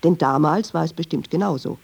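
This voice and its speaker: A woman's voice: deep voice, a little fast, creaky, darkish tone, breathy edge, heavily acted. An actress playing a chatty, ironic Jewish woman who tells restless, digressive, insistent stories in a radio drama. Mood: ironic, musing. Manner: wry, digressive, insistent storytelling. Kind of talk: radio drama monologue in dialogue.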